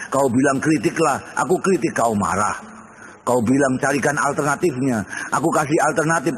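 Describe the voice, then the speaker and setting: A man giving a dramatic poetry recitation, emphatic and rhetorical, rising in pitch on the repeated lines. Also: fairly bright tone, in a large hall, rough recording.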